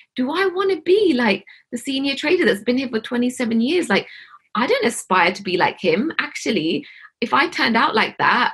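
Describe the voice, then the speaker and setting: A woman with a London accent speaks at a moderate pace. Her high voice makes very wide pitch swings. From West London (Hounslow), British Punjabi family. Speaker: property investor. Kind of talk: interview. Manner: animated.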